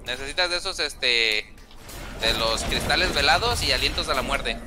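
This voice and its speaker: A man chatting casually while playing a game, often restarting sentences and trailing off on drawn-out fillers. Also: medium pitch, over music. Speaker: gamer streaming gameplay. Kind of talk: casual gameplay chat.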